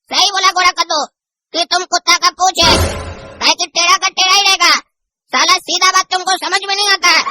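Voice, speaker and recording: Performer voicing Kala Kaddu, high scolding student. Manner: scolding, insulting. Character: rough-talking male student, Kala Kaddu.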